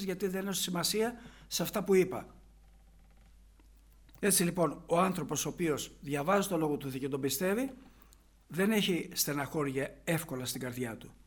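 A man's voice: sits high, long pauses. A man preaching a sermon, retelling a gospel passage and explaining it with rhetorical questions.

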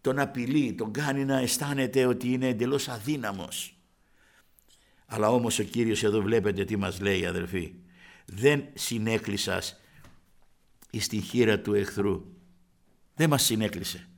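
A man's voice: lowish voice, vocal fry. An older man preaching a sermon, vividly telling his own story and calling the congregation brothers. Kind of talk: sermon with personal testimony.

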